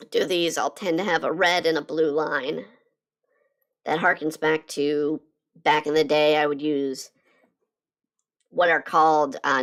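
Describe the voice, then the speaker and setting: A woman chatting casually on a live drawing stream, her voice slightly hoarse from being sick, rambling with lots of fillers and restarts. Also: low-pitched, a bit bright. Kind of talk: casual chat while drawing.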